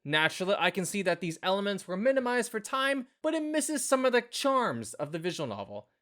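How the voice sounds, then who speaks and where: High-voiced man narrating a review. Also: sing-song, a little fast, sharp tone. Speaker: anime and visual novel reviewer. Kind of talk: scripted video review narration. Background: background music.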